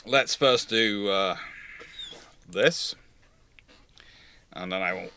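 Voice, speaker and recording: A man's voice: lowish voice, extremely slow, pushed and bright. A man hosting a live question-and-answer chat casually, rambling and often restarting his sentences. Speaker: host of a live naval history question show.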